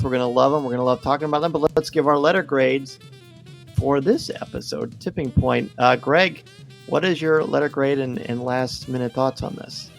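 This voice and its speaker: A man's voice: mid-range voice, gravelly. A middle-aged man hosting a casual fan discussion in an enthusiastic way. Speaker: podcast host.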